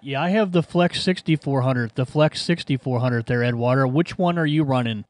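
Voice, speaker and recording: Male amateur radio operator, American accent, average pitch, informal and repetitive on air, very noisy clicking recording. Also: moderate pace. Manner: repeats key phrases. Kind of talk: ham radio contact, casual exchange. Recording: loud background noise and clicks.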